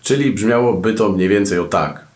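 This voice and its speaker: Man, lowish voice, ironic storyteller, echoey room. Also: moderate pace. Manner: animated storytelling, ironic, frequent asides. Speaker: podcast host and radio presenter. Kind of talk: casual advice talk to camera.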